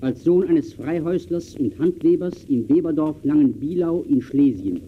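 A man with a fairly high voice reads a formal scripted radio report. The recording is old and muffled, with faint noise behind him. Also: animated, normal speed, dark tone. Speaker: narrator.

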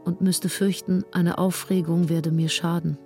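An actress playing a grieving 19th-century woman, reading a written recollection in a measured, formal, sober way. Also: on the low side, level tone, warm tone, faint music behind. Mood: sober grief. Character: grieving 19th-century woman recounting her companion's death in writing. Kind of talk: scripted literary reading.

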